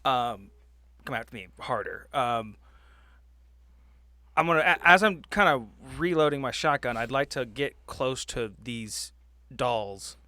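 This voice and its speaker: Mid-pitched man, casual tabletop player. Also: animated, measured pace, bright, forceful tone, dry recording. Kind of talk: casual game table chat. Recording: faint music under the voice.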